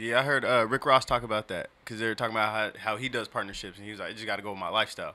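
In a bright, sharp tone, the speaker rushes at a very fast pace with hardly any pauses, monotone, flat intonation and big swings in loudness. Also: man. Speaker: podcast co-host and DJ; podcast host. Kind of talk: casual chat. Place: studio. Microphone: studio mic.

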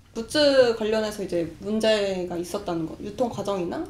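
A woman at medium pitch with a dark, mellow tone, lively intonation and a moderate pace, with audible room echo. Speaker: esports staff member. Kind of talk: casual chat. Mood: apologetic, explanatory. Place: meeting room.

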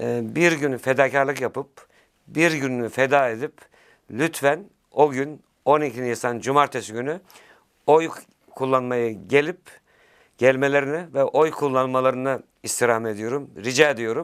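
At a fairly slow pace, a man of medium pitch talks with ordinary pitch variation and long, frequent pauses. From Turkey, Balıkesir countryside. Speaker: veterinarian and livestock farmer, association candidate. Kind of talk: interview.

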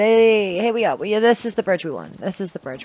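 A woman's voice over noticeable background noise. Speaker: gaming YouTuber. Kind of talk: casual gameplay commentary. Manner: relaxed, laid-back.

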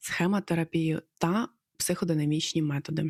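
A woman speaks at a moderate pace in a dark, mellow tone with a fairly low pitch. The recording is very clean and dry, close with no echo, with a silent background. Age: 30s. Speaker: clinical psychologist. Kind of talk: self-presentation video.

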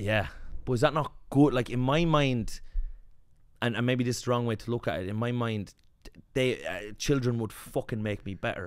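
Over a quiet background, a man with an Irish accent speaks with ordinary pitch variation and long, frequent pauses. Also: medium pitch for a man, moderate pace. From Ireland, Kilkenny; Ireland. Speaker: comedian. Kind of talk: casual chat. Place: studio. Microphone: studio mic.

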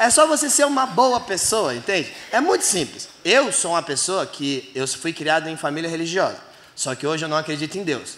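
With a Brazilian accent, a man speaks at a moderate pace in a high pitch. His voice moves through very wide pitch swings. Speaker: comedian. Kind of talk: stand-up. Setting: stage with audience. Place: stage. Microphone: handheld.

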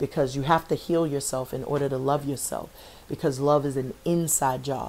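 Her voice is very deep and low in pitch, dark and mellow, as this woman speaks at a moderate pace with monotone, flat intonation. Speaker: tarot reader. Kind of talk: tarot reading, casual talk to audience.

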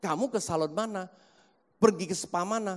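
This is a man speaking. He keeps a moderate pace. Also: quiet background. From Indonesia, Jakarta; Indonesia. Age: 50s. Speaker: preacher. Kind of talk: sermon. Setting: church. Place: church. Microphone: handheld.

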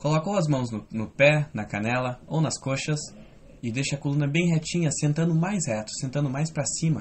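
Over light background noise, a man speaks at a moderate pace in a somewhat breathy voice with ordinary pitch variation. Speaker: fitness instructor. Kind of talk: exercise class instruction. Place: garden. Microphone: camera far.

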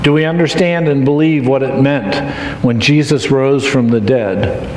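Speaking at a very slow pace, a man is heard with audible room echo and light background noise. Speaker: pastor. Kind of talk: sermon. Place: church. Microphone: headset.

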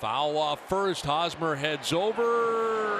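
Raised and projected, a man's high-pitched voice moves very slowly through very wide pitch swings against noticeable background noise. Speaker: baseball play-by-play announcer. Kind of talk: live sports commentary, calling each pitch as it happens.

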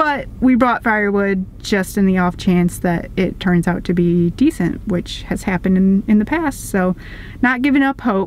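A woman's dry, echo-free voice at a moderate pace, with light background noise. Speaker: RV vlogger. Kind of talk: casual vlog chat. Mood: relaxed, mildly upbeat. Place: car. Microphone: phone near.

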